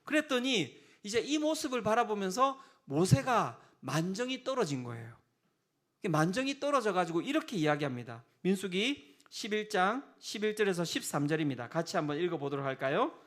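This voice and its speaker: A man's voice: sits high, big pitch swings, moderate pace, a bit bright. A man preaching a sermon as pastor, telling the story with humor and acting out quotes in exasperated voices.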